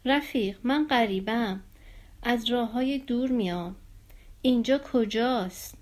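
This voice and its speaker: A woman's voice: fairly high pitch, natural voice. A woman voicing a brave, defiant little black fish in a storybook reading. The fish speaks firmly and scolds the others. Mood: friendly. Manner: firm, scolding.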